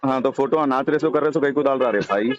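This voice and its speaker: A man's voice: medium pitch, quick pace. A man with a Hyderabadi Deccani accent arguing confrontationally on a phone call, repeating himself insistently. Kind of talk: heated argument on a phone call. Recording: dull lo-fi recorded phone call.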